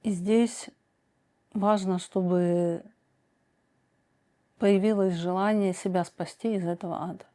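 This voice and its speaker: A woman with a dark, mellow voice answers viewers' questions about their lives. She talks slowly and deliberately, often pausing on a soft hesitation before each point. Her advice comes out frank and direct. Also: mid-range voice, steady tone. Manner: slow, deliberate, many pauses and hesitations. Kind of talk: calm measured advice monologue.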